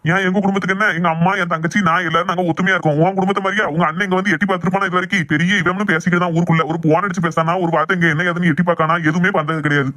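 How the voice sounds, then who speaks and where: A man's voice: sits high, flat delivery, racing, few pauses, sharp tone. A man voicing a stubborn, protective middle-aged village father in a cartoon family drama, assertive, with a Tirunelveli Tamil accent. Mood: irritated, defensive. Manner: assertive, dismissive of objections.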